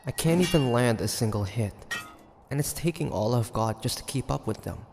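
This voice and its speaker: A man playing a cocky, stubborn demon hunter of the 1850s in a dramatic audio roleplay, theatrical and halting. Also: medium pitch, lively intonation, heavy background noise, lightly acted. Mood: baffled, resigned. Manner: theatrical, taunting, halting with sighs and pauses.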